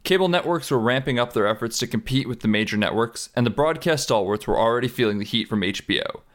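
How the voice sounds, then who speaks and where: A man's voice: mid-range voice, animated, fast. A man narrating a written article as a scripted essay reading.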